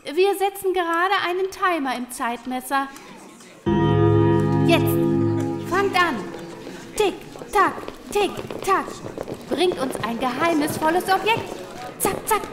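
Woman as a high-voiced, proud little creature leader. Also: expressive, takes it slowly, pauses often, over loud music, full character voice. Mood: urgent. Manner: ceremonious, theatrical rhyming delivery. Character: Eika, proud female little-creature master of the timekeeper chamber. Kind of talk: children's audio drama acting.

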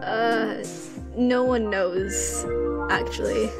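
An eager, earnest young-spirited space traveler played by a woman talks in a high voice. Loud music plays under this audio drama line. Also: fairly even intonation, very slow.

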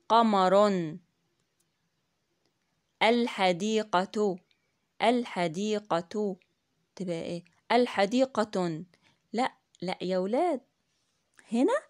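A primary school teacher with an Egyptian Arabic accent leads a classroom lesson for young children in a medium-pitched voice. She patiently repeats each point, asks the class questions and praises their answers. The studio sound is clean, with no room sound.

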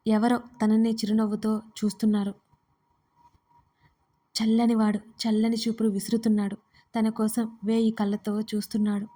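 A woman narrating a romance story in an even, steady reading style. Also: medium pitch.

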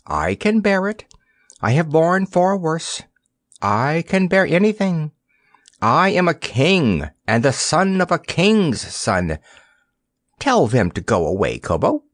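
A man's voice: fairly high pitch, big pitch swings, slow pace, dry recording, studio quality, pitched above the performer's own voice. A man voicing a proud little boy king who speaks with haughty, gloomy dignity in a storybook reading. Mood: dignified. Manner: haughty, solemn.

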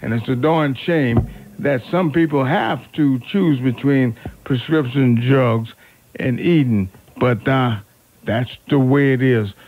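A man hosting an R&B oldies radio show with unscripted, fumbling chatter, repeating and correcting himself as he goes. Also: mid-range voice. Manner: halting, fumbling, self-correcting, repeats words. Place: radio studio. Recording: narrow, phone-like AM radio aircheck.

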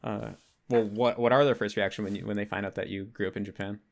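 A man's voice: on the low side, steady tone, fast talker, vocal fry. A man in his twenties with an American accent, hosting a casual, conversational interview. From United States. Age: 20s. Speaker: interviewer, host. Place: bedroom at home.

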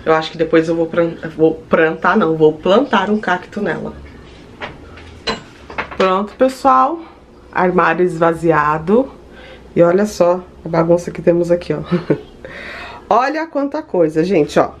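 A woman's voice: fairly low pitch, animated, measured pace, pauses often, a little hiss or hum. A woman with a Brazilian Portuguese accent, in her thirties, chatting casually to her viewers in a home vlog from her kitchen. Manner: chatty, addresses viewers directly. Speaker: vlogger.

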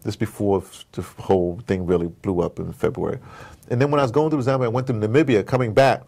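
A man's voice: on the low side, fast, gravelly, darkish tone. An American man telling rambling, opinionated stories in a casual interview, often digressing and acting out conversations. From United States. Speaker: interview guest, audio drama producer.

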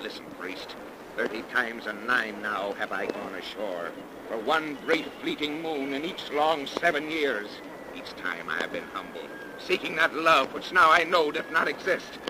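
A man's voice: mid-range voice, expressive, unhurried, close to an everyday voice. Male actor as undead ship captain, bitter and vengeful, grandiose archaic declamation, 1930s radio horror, noisy old recording. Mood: brooding, bitter.

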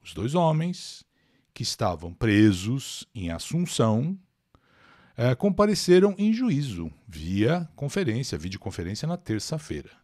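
An older Brazilian man teaches a live English lesson with a very animated, up-and-down voice. He explains patiently and answers viewers' questions by name. The sound is close and dry, with no room echo. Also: medium pitch, measured pace. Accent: Brazilian Portuguese.

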